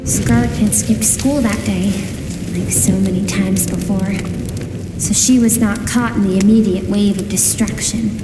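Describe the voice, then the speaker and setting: An actress playing a wistful storyteller in a video game, narrating in a measured, sorrowful way. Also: female voice, medium pitch, fairly even intonation, close to an everyday voice. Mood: sorrowful, grave. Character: wistful female storyteller recounting a tragic past. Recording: long echoing reverb with music.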